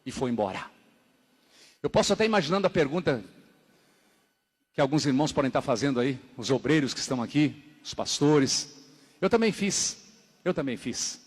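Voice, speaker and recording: A man giving a dramatic religious testimony at a church service, telling his story emphatically and moving between loud exclamations and hushed narration. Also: mid-range voice, animated, normal speed, long pauses, slightly rough. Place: church hall. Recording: echoey hall reverb.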